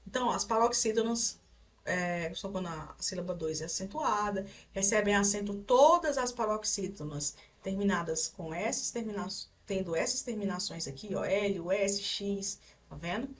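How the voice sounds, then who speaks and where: A woman's voice: medium pitch, normal speed, far from the mic. A young Brazilian woman teaching an online grammar lesson, explaining step by step and checking in with her listeners. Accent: Brazilian Portuguese.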